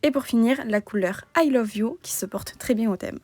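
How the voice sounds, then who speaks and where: A woman calmly narrating a step-by-step nail art tutorial as a voice-over, in a plain explaining tone. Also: a little high, normal speed, dry recording.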